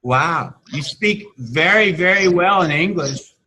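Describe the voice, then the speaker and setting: Man, teacher, halting chatty talk, bright tense voice, slightly high. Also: animated, a little hiss or hum, low-quality recording. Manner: halting, many restarts and fillers. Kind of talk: casual video-call chat.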